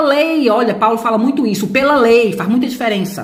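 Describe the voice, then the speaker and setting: A woman is speaking. Her pitch swings very widely. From Brazil. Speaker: evangelical YouTuber. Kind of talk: religious teaching monologue.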